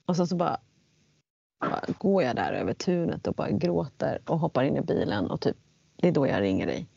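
A woman recounts a personal story in an animated, casual way, slipping into voices for the people she quotes. Her low, gravelly voice sits close and dry on a slightly dull recording. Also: no room sound. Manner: animated, acts out quotes in English. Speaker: guest telling a personal story.

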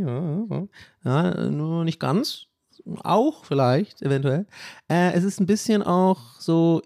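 A man's voice: mid-range voice, mellow, no room sound, clean studio sound. A man in his thirties with a German accent, hosting a podcast in casual, rambling chat that keeps losing its thread. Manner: rambling, loses his train of thought, self-mocking. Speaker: podcast host.

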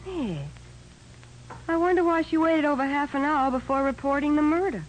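A woman's voice: sits high, normal speed, close to an everyday voice, low-quality recording. Woman playing a perky detective's girl assistant. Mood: curious, helpful. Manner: perky, inquisitive, casual. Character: alert, loyal young female detective's assistant. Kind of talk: 1940s radio acting. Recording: hissy old radio recording.

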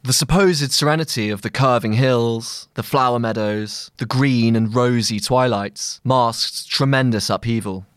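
A man's voice: medium pitch, measured pace, few pauses, fairly bright tone, clear, resonant tone, no echo. Man reading an essay, close dry sound. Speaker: journalist narrating own long-read article. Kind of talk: scripted narration of a literary long-read essay.

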